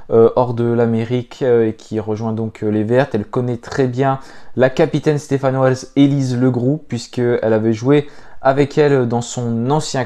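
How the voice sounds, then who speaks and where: A man's voice: medium pitch, warm tone. A French man hosting a football fan channel, talking through club news in a casual, hesitant way with many filler sounds.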